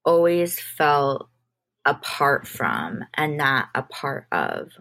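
A woman's voice: rumbling low, huge pitch swings, slow pace, vocal fry, a bit bright. A woman as an interview guest, telling stories in a casual, informal way and often saying "like". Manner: informal, peppered with "like". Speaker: podcast guest, music manager. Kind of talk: casual conversational storytelling.

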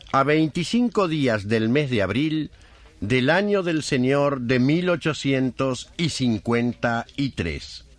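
An Argentine man announces a radio play over prominent music. His delivery is slow and grandiose, with wide swings of pitch. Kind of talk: scripted radio play narration.

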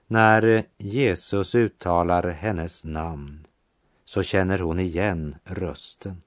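A man preaching a sermon on a Bible passage in a calm, measured way, slowing down to stress key phrases. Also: deep voice, dry recording, studio quality.

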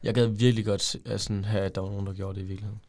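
A teenage man from Herning, a podcast guest who jokes in a playful, deadpan way. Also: on the low side. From Herning, Denmark. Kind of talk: casual podcast chat.

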